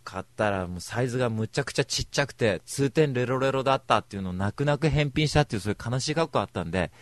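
A man hosting a radio show, telling a comic story in rough, blunt casual speech and retelling it with big exaggeration. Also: mid-range voice, lively intonation, very fast, no room sound.

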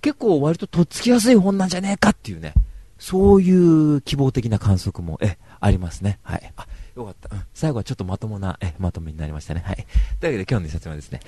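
A man's voice: fairly low pitch, sing-song, fast, mellow, husky, dry recording. Rambling, wry man talking books. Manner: rambling, wry, self-mocking. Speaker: book reviewer. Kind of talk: casual book review monologue.

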